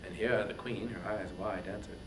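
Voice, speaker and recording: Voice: low-pitched, fairly even intonation, moderate pace, a bit bright. A narrator giving a dramatic, intense and emphatic reading of epic poetry. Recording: roomy with faint noise.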